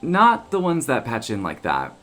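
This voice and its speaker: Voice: mid-range voice, wildly swooping pitch, unhurried, a bit bright. A woman playing an easygoing, wry friend of a small-town oracle, talking casually and breezily in an audio drama.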